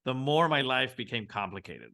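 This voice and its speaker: Bright-voiced man in his forties. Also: mid-range voice, normal speed, gravelly. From Venezuela. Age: 40s. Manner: animated, frequent restarts, acts out his own thoughts. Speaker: guest entrepreneur. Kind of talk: casual interview storytelling.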